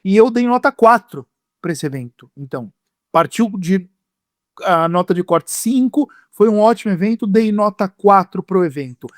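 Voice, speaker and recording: A Brazilian man hosting a lively sports podcast in a playful, theatrical way, his voice rough from being sick. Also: sits high, normal speed, no room sound, clean studio sound. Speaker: podcast host.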